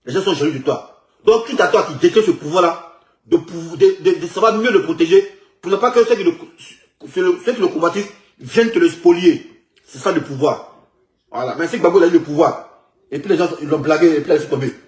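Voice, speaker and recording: A man with an Ivorian accent delivering an animated, casual political rant, emphatic, mocking and repetitive. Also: on the high side, brisk, reverberant.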